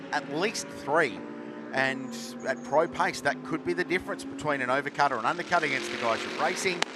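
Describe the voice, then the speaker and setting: A man giving live race commentary as a motorsport commentator. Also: medium pitch. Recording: loud trackside car and engine noise. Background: race cars and outdoor ambience.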